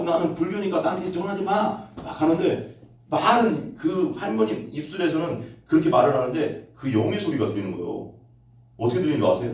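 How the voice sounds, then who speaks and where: A man pastor preaching a sermon, telling stories and quoting scripture, his voice climbing high when he gets excited. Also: heavy reverb, far from the mic. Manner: storytelling, rises sharply in pitch when excited. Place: church sanctuary.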